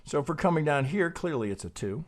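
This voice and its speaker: A man's voice: fairly high pitch, lively intonation, fast talker. A middle-aged man hosting a trading channel, talking casually through chart analysis, rambling, swearing and asking "right?" again and again.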